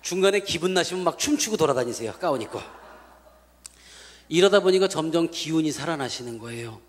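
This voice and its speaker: A male pastor tells a story from the pulpit, bringing it to life by acting out each person's lines. His voice sits high and swings widely in pitch. Long reverb from the church rings around him. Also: a little fast, slight background noise. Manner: animated, acts out dialogue in different voices. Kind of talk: storytelling sermon.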